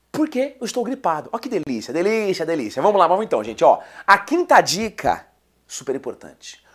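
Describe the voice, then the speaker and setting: A man with a cold and a slightly nasal voice, giving a chatty exam-prep lecture and talking straight to his students. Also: fairly high pitch. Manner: lively, chatty, addresses students as "gente". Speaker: teacher.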